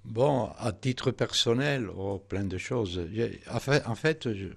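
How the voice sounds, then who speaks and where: Older Argentine priest telling a story. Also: male voice, on the low side, creaky, husky. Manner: halting, with many fillers and restarts. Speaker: priest, former shrine rector. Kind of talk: radio interview, personal storytelling.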